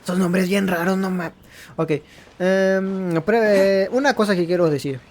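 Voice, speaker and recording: A man's voice: high-pitched, moderate pace, a little hiss or hum. A man hosting a gaming video, commenting casually and rambling as he searches for words and rephrases. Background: game music.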